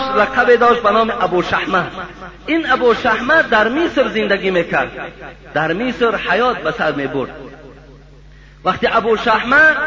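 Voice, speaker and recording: A man preaching a sermon, telling a story in an animated way and turning to address his listeners directly. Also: high-pitched. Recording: dull lo-fi recording with crowd behind.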